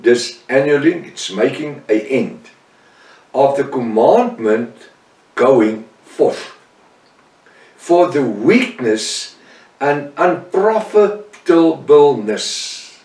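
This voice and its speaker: A man's voice: mid-range voice, darkish tone. A man with a South African Afrikaans accent teaching the Bible, emphatic, often repeating and correcting himself. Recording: roomy sound from a distant mic.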